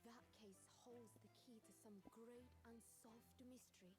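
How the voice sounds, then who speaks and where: A woman reads a heartfelt letter aloud, gentle and measured, pitched a bit high for a woman. Clear background music plays behind her. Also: fairly even intonation.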